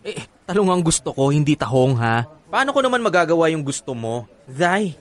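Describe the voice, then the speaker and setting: A man's voice: on the high side, big pitch swings, moderate pace. An actor with a Filipino accent playing a haughty, exasperated gay man in a radio comedy drama, with campy, dismissive exclamations. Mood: scolding.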